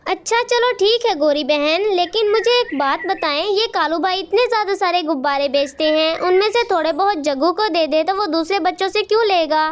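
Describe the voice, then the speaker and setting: A woman's voice: extremely high pitch, normal speed, few pauses. A woman voicing a practical, fussy mother bird in a cartoon who lectures her son. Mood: scolding. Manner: scolding, lecturing.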